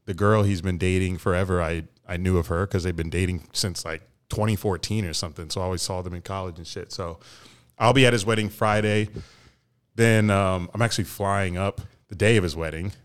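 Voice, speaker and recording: A man's voice: low-pitched, fairly even intonation, brisk, clean tone. A young adult man co-hosting a casual podcast, talking informally with slang and some swearing. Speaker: podcast co-host.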